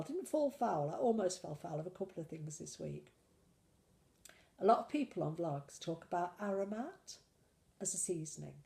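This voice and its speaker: A woman's voice: fairly low pitch, gravelly, warm tone. A woman with a cold chatting in a casual weekly diet vlog, rambling and self-deprecating. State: full of cold. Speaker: slimming vlogger.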